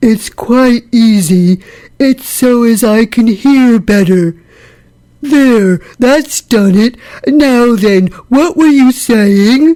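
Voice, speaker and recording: A woman puts on a character voice, pitched high. She speaks very slowly. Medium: read story. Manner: slow, mournful, deadpan.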